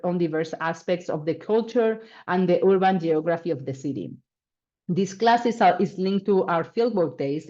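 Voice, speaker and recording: Woman, school director, lower voice, dull call sound, explains patiently. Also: a little mellow. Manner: friendly, explanatory, with frequent fillers. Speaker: school resident director hosting a reception. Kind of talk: presenting to prospective families. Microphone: video call.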